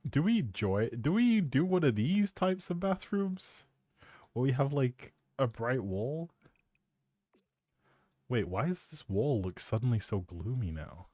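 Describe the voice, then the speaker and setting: A man's voice: mid-range voice, very animated, slow, dark tone, no room sound, clean studio sound. A man live streaming, chatting casually in an appreciative, rambling way and thinking aloud as he goes.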